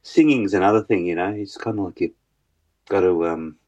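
A man with a very low bass voice, talking hesitantly as a musician guest in an interview, with many fillers and restarts. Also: brisk, mellow, rough recording. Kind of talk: casual interview chat.

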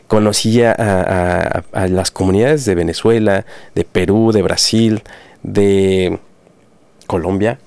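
Smooth-voiced male radio host. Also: low-pitched, steady tone, takes it slowly, darkish tone, no room sound. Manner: friendly, chatty, announces events with many fillers and restarts. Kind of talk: casual community radio chat.

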